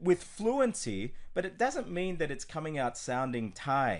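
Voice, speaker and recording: A man's voice: fairly high pitch, very animated, moderate pace. A man coaching on pronunciation, walking through a screen recording in an informal way with frequent ums and restarts. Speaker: language coach. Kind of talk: screen-recorded teaching walkthrough.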